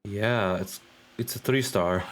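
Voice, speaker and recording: Low-voiced man muttering over gameplay. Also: slow. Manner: offhand, muttering reactions. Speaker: streamer. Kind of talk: casual gameplay commentary.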